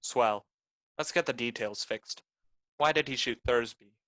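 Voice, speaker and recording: A man's voice: mid-range voice, measured pace, pushed and bright, no echo. A man playing a cool, shrewd private detective in a film noir radio play, with a clipped, tough delivery. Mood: wry, firm. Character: hard-boiled male private detective, cool, shrewd, commanding.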